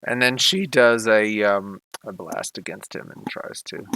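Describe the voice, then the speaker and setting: A man's voice: lowish voice, a little slow, vocal fry, sharp tone, clear, resonant tone, low-quality recording. A man narrating a tabletop game as game master, in a casual, laughing, self-deprecating way.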